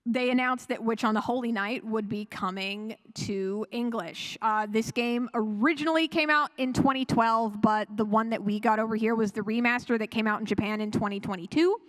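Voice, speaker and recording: A woman's voice: a little high, moderate pace, few pauses. A woman speaking as a convention panelist, chatty and enthusiastic, rambling casually and often correcting herself. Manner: chatty and rambling, with frequent self-corrections and chuckles. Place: live panel room at a fan convention.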